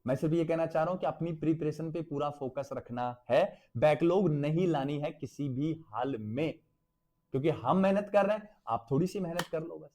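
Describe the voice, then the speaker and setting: A male teacher with a Hindi accent, leading a revision lesson in a fairly high voice. He speaks warmly to his students as if they were his children and keeps pausing to ask whether everything is clear. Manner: addresses students as beta, keeps checking they follow.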